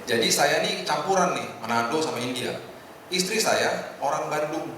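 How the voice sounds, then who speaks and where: A middle-aged man preaching informally to a congregation in a conversational, joking way, with hesitant pauses. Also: fairly high pitch, lively intonation, fairly bright tone. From Indonesia. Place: large echoing indoor hotel hall. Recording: echoey hall, distant mic, noisy room.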